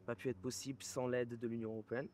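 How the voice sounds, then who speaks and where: A man's voice: medium pitch, little pitch movement, quick pace, a little mellow. A teenage boy giving casual interview answers, hesitant and full of restarts. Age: teens. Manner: hesitant, with many fillers and restarts. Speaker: high school student interviewee. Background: background music.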